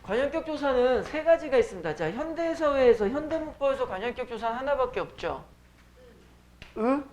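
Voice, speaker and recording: A man teaching a high school Korean class, lecturing casually with joking asides to his students. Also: expressive, fast talker, darkish tone, slight background noise. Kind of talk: classroom lecture with teasing banter. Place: academy classroom.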